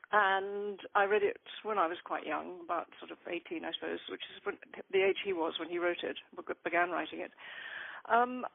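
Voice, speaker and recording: An older woman author talking about her novel in an interview, thoughtful and rambling with many pauses and ums. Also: mid-range voice, creaky, no echo. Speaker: author guest. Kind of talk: conversational interview. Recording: tinny phone-like line.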